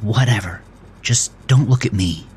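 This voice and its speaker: A man voicing a hostile, confrontational woman at a gym, loud, sarcastic and accusing, in an audio drama. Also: on the low side, measured pace, a little hiss or hum, natural voice. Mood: dismissive. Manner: accusing, sarcastic, louder than necessary.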